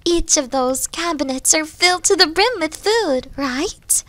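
A woman acts out a young wolf girl for an ASMR audio drama. The voice is very high and bright, moving slowly and hesitantly. She sounds timid, devoted and plaintive, with soft breathy dips. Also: animated, dry recording. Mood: grateful, cozy.

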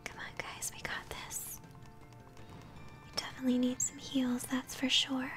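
A young woman whispering gently as she hosts an ASMR let's-play, commenting on a game. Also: high voice, completely flat delivery, moderate pace, over music. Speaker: host, gamer. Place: small room at home, indoors.

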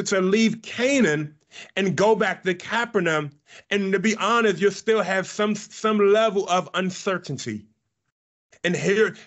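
A man in his thirties, a pastor preaching a sermon to camera, fervent and often repeating words as he starts sentences, on a boom studio mic in a small studio set. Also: a bit bright, highs cut off. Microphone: boom-mounted studio mic.

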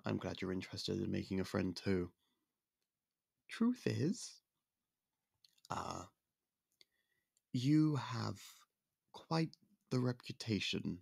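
An actor playing a young prince in an ASMR roleplay, speaking in polite, formal, soft-spoken courtship talk close to the mic. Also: male voice, lowish voice, very animated, slow, gravelly, long pauses, husky, no echo, exaggerated voice. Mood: courteous.

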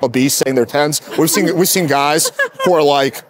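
A young man from Russia, running a casual street interview at night on a city sidewalk, teasing and joking with a handheld mic. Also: fairly high pitch. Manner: joking, teasing, fast talker. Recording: crowded street noise. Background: crowd chatter.

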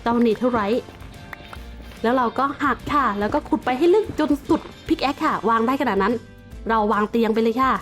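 Thai girl gamer narrating minecraft, high voice, teasing fake-villain lines then chill explaining, music under it. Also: normal speed, fairly bright tone. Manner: playful, mock-villain taunts at game creatures; polite sentence endings, explains game facts. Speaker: gaming YouTuber. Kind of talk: playing Minecraft with running commentary.

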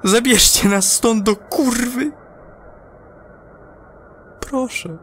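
A man's voice: extremely high pitch, extremely slow, fairly bright tone, a little hiss or hum, pitched above the performer's own voice, full character voice. A man playing a desperate, foul-mouthed astronaut breaking down in an audio drama report, swearing and pleading. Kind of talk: horror audio drama acting.

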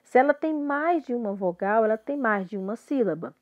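A woman's voice: on the high side, expressive, a little fast, a little mellow, dry recording. A woman with a Brazilian Portuguese accent teaching an English grammar lesson, patiently explaining and often checking that students follow. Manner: patient, repeats and checks understanding.

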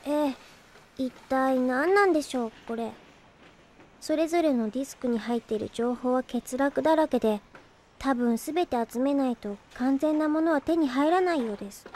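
A woman acts a helpful young girl with a very high voice and polite, soft manners. It sounds like anime audio drama, with faint noise underneath. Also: moderate pace, lightly acted. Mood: earnest, curious.

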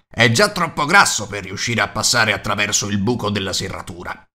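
A man's voice: lowish voice, sing-song, fairly quick, pushed and bright, heavily acted. A man voicing merry, teasing elves in a storybook, calling out playfully.

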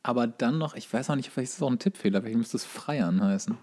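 A man's voice: medium pitch, quick pace, warm tone. A man co-hosting a comedy podcast, chatting casually with wry, playful wordplay. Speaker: podcast co-host.

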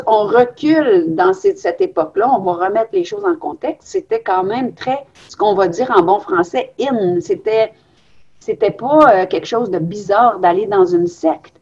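Husky woman speaking over a video call. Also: mid-range voice, warm tone, highs cut off. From Belgium. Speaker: guest. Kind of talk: reflective interview answers. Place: home room on a video call. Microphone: webcam on a video call.

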